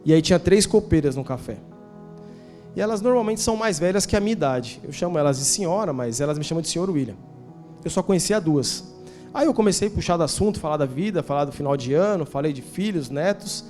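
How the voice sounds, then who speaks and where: High-voiced Brazilian pastor preaching. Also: male voice, expressive, fast talker, a little mellow, soft background music. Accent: Brazilian Portuguese. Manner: conversational storytelling with rhetorical questions, slangy asides. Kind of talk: sermon. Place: church.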